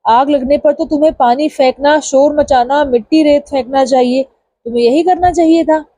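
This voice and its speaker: A woman's voice: sits high, normal speed, warm tone, dry recording, close to an everyday voice. A woman voicing a bad-tempered older male town judge who scolds and insults impatiently in a told story. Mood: scolding. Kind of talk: storybook narration.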